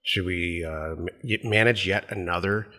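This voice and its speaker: A middle-aged American man co-hosting a podcast, giving blunt, opinionated business advice in a casual, husky voice. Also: sits low, moderate pace, sharp tone, in a large hall. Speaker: podcast co-host.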